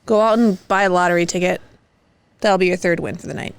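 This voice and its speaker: A woman's voice: on the low side, fairly even intonation, fast, smooth. A woman chatting casually as a panelist on a podcast. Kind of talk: casual chat.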